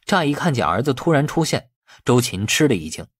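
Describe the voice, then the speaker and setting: Guy narrating a dramatic audiobook, lowish husky voice, really dry sound. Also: sing-song, brisk, no room sound. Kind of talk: scripted dramatic novel narration.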